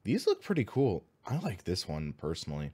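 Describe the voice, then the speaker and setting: Slightly hoarse young American man livestreaming. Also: sits low, wildly swooping pitch, fairly quick, darkish tone. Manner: upbeat, enthusiastic, informal. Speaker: host of a sim racing livestream. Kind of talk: casual livestream chat.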